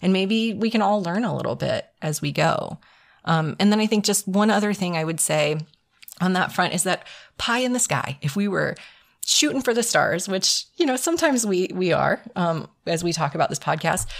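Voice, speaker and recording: A woman at a moderate pace, with lively intonation. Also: quiet background. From US South. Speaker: podcast co-host. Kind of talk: casual chat. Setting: remote recording, separate rooms. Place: home room. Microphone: studio mic.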